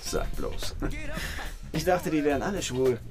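A man's voice: on the high side, very animated, unhurried, music in the background. An actor playing a brash, flirtatious gay man in his thirties in a naturalistic radio play. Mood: flippant. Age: 30s. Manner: cocky, casual, slangy.

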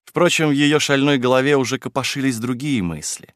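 A man narrating a classic novel in an even, measured way. His voice sits at a middle pitch and sounds dry and close to the mic, with no room around it. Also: no echo. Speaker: audiobook reader.

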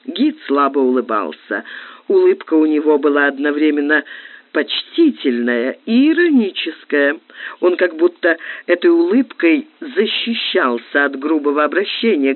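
Expressive male narrator on a tinny line. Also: a little high, moderate pace. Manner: expressive, theatrical phrasing. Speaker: audiobook narrator. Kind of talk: literary audiobook reading. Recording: tinny phone-like lo-fi recording.

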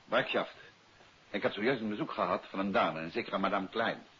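A man acting a self-assured, courteous detective in a 1950s radio mystery serial, polite, brisk and composed. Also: on the low side, bright, forceful tone. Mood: composed, businesslike. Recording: hissy, muffled old radio recording.

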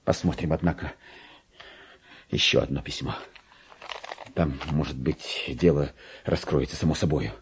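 An actor playing a lowly, paranoid, resentful male clerk in a dramatic radio monologue, brooding and muttering with theatrical outbursts. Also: measured pace, long pauses, slight background noise. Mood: bitter, muttering.

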